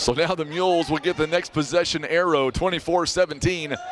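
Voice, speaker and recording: Over noticeable background noise, a man with an American accent talks at a moderate pace in a high voice. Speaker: radio play-by-play announcer. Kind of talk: live sports commentary. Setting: arena broadcast position at a basketball game.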